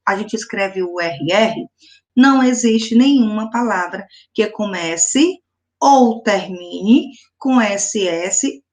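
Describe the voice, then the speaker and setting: A Brazilian woman teacher giving a recorded lesson to young children, patiently breaking words into syllables. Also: a little high. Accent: Brazilian Portuguese. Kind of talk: recorded classroom video lesson.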